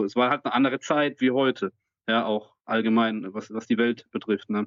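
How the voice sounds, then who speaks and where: A man's flat, monotone delivery at a fairly quick pace. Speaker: supervisory board candidate, dental lab technician. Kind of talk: interview. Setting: video call.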